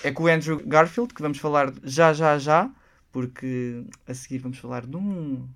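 A man's voice: a little high, normal speed, fairly bright tone. A man with a European Portuguese accent hosting a casual radio chat, prompting his co-host with questions.

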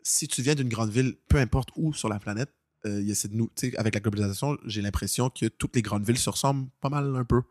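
A man's voice: mid-range voice, no room sound, studio quality. A young man in his twenties with a Québécois accent, co-hosting a casual podcast and telling stories with lots of restarts. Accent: Québécois French. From Quebec. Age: 20s. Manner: animated storyteller, fast with many restarts. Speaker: podcast co-host.

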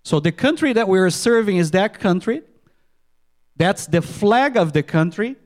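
A middle-aged man with a Portuguese-speaking accent, a missionary doctor giving an earnest church presentation with halting restarts and repeated words. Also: sits high, lively intonation. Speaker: missionary physician.

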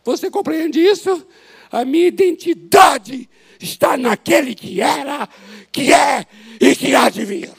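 A male pastor with a Brazilian Portuguese accent, preaching an impassioned sermon that swings from loud exhortation to soft, prayerful pleading in a church. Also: very high-pitched, unhurried, creaky. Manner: impassioned, rises to shouts then drops to soft prayer. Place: church sanctuary.

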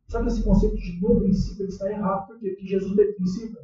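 A pastor with a Brazilian Portuguese accent preaches a sermon in church, speaking conversationally, firing questions at the congregation and dropping slangy asides. His voice sits high and is fast, steady and dark in tone. The echoey church hall is captured by a distant, dull mic with a little hiss or hum.

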